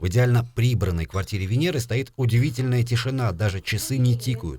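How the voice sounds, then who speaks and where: The speaker is a man with a medium pitch. His voice is somewhat breathy. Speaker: TV reporter. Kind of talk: TV news report narration.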